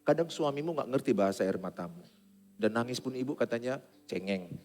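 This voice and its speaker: Preaching pastor in a big echoing church. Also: male voice, mid-range voice, expressive, brisk. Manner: swings from joking to soft, tearful pleading. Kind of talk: sermon. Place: church sanctuary. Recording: long reverb of a church hall. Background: faint guitar playing.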